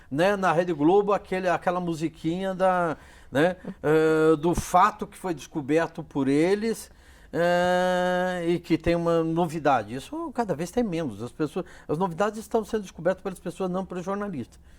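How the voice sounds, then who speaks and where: In a very clean recording with a silent background, a man with a high pitch speaks at a moderate pace, with ordinary pitch variation and big swings in loudness. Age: 60s. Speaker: journalism professor. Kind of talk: interview.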